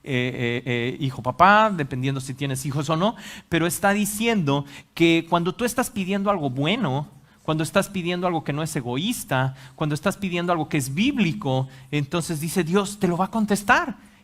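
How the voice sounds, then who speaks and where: A preacher delivers a lively sermon in a church before a congregation. The voice sits in a middling pitch, and the delivery is animated, with quoted voices acted out and frequent questions to the listeners. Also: normal speed. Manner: animated, acts out quotes, asks the audience questions.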